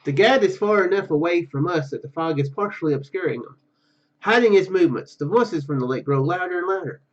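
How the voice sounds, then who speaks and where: A man's voice: high voice, expressive, brisk, highs cut off. A man hosting a let's play, reading story narration aloud with stumbles and casual asides. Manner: stumbles over words while reading. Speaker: gaming video host.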